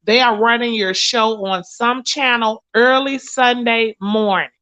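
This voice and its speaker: A woman's voice: a little high, fairly even intonation, unhurried, bright, forceful tone. A blunt, profane woman, hosting a casual talk show. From Mississippi, US. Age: late 30s. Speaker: host. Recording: lo-fi stream audio.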